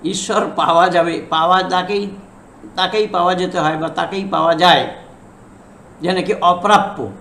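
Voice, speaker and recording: A man preaching a didactic sermon as a non-native learner of Bengali, halting and repeating phrases for emphasis. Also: sits high, steady tone, fairly bright tone. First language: not a native Bengali speaker. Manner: halting learner's Bengali, self-described as broken. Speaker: religious preacher. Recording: echoey room with faint background noise.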